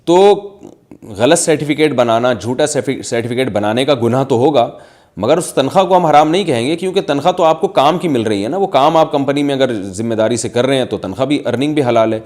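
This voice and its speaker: A man's voice: medium pitch, animated, darkish tone. Man explaining religious rulings step by step. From Pakistan. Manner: explains step by step with plain examples. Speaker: Islamic scholar answering questions. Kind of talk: reading and answering viewer questions.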